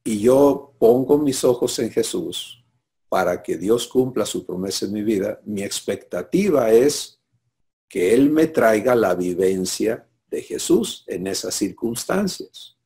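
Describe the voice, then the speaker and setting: A man's voice: fairly low pitch, lively intonation, slow, dark tone. A man preaching a sermon, teaching and often asking listeners for assent. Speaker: pastor.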